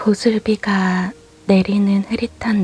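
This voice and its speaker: Music sits in the background as a woman with a medium pitch speaks at a very slow pace with monotone, flat intonation. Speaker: audiobook narrator. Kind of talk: horror story reading.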